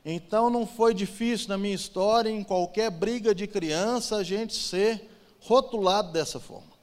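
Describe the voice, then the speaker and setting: A man's voice: high-pitched, normal speed, clean tone. Emotional testimony, man in a reverberant hall. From Brazil. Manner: emotional storytelling, swings from loud to hushed. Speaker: church testimony speaker. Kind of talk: personal testimony in church.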